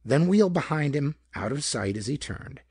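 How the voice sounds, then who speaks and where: Husky, expressive male audiobook narrator. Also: fairly high pitch, moderate pace, dry recording, studio quality. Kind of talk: scripted narration of a pulp detective story.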